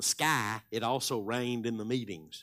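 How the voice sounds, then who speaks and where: A man with an East Texas accent, medium pitch and fairly even intonation at a moderate pace, in a very clean recording with a silent background. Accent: East Texas Southern US. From Northeast Texas. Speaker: preacher. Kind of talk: sermon. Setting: church.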